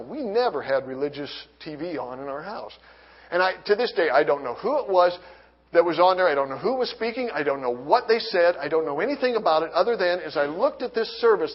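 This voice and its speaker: Man with a high voice sharing a faith testimony, earnest, restarts often, reads scripture; dull lo-fi recording. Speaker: testimony speaker.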